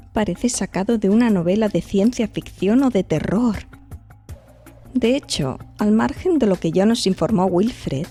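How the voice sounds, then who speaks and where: An actress playing an eager, thoughtful young investigator in a horror audio drama. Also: female voice, medium pitch, dark tone.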